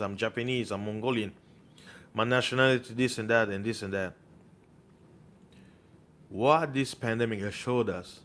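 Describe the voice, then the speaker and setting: A man with a fairly low, slightly bright voice preaches online with great passion. His monologue is insistent, packed with rhetorical questions and words repeated for emphasis.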